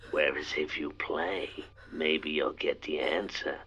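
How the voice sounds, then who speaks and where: An actor playing a menacing masked male killer on the phone, taunting in a gravelly, whispery voice. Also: rumbling low, steady tone, slow pace, a bit bright, faint music behind, full character voice. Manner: taunting, sinister. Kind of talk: audio play acting.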